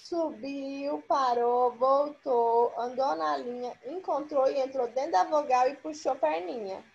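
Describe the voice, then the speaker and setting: A woman teacher on a video call, slowly and patiently guiding young children as she traces letters during a dictation. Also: high voice, vocal fry, darkish tone, lo-fi sound, slight background noise. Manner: slow, patient, demonstrative letter tracing. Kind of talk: online class dictation.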